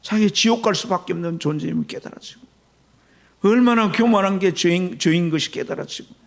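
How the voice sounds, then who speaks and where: A man preaching a Sunday sermon as pastor, telling a story with sudden swings between loud high passages and low hushed ones. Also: brisk, gravelly. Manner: storytelling with sharp swings in pitch and loudness. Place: church sanctuary.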